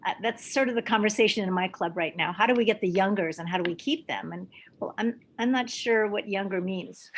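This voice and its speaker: An older woman from Hawaii, speaking in a meeting with many pauses, ums and restarts. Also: mid-range voice. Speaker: club member at a video meeting. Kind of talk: hesitant casual remarks.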